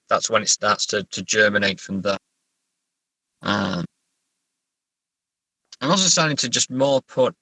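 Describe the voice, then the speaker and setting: A man talking casually as a writer being interviewed, halting as he thinks aloud. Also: lowish voice, pushed and bright, dry recording, rough recording. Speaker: writer, podcast guest. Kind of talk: casual interview chat about writing.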